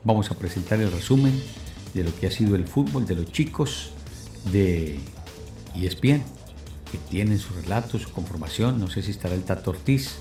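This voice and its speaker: A man's voice: deep voice, lively intonation, moderate pace, warm tone. A man presenting and analysing sport as a radio host, in formal, wordy phrases. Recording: roomy sound with faint music.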